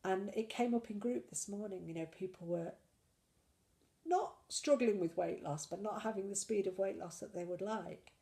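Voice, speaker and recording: A woman's voice: mid-range voice, moderate pace, vocal fry, mellow. A woman with a cold chatting in a casual weekly diet vlog, rambling and self-deprecating. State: full of cold. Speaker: slimming vlogger.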